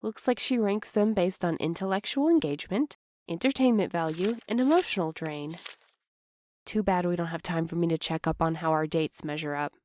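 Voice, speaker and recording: A woman acting an anxious, earnest young woman in an audio drama, speaking in an expressive, conversational way. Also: on the low side, normal speed, no echo, close to an everyday voice. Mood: sly, hurried. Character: Clementine, anxious, earnest young woman snooping on her date.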